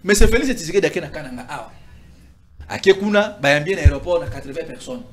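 A man's voice: a little high, fast, a crowd in the background. A man in his thirties arguing politics in a heated TV studio debate, gesturing a lot and stumbling over repeated syllables. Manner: animated, gesturing, stammering restarts. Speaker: political commentator. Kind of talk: heated talk-show debate. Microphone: lapel.

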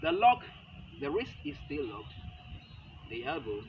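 Man, self-defense instructor, halting repeated short phrases, muffled distant camera audio, very noisy open-air setting. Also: a little high, wildly swooping pitch, creaky. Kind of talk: hands-on demonstration lesson. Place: large open concrete outdoor arena with stepped stands. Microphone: camera a few metres away. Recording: muffled outdoor camera audio, loud ambient noise. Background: loud outdoor ambient noise.

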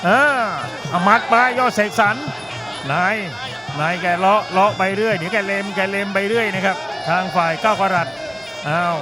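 A man giving excited boxing commentary, exclaiming and repeating short urgent phrases. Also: high voice, normal speed. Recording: loud music and crowd behind. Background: loud crowd and music at a televised fight.

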